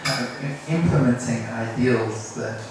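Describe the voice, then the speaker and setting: A man's voice: medium pitch, fairly even intonation, a little slow. A middle-aged man from South Africa tells a personal story to a group in a hesitant, self-deprecating way. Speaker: English teacher. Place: indoor room at a teachers' workshop. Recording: echoey room, distant mic, noisy.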